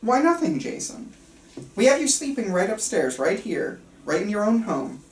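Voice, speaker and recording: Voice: medium pitch, very animated, moderate pace, a little hiss or hum, close to an everyday voice. A person reading the part of a chirpy, patronizing psychiatrist at a table read, with breezy, reassuring bedside talk. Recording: roomy, picked up from far off.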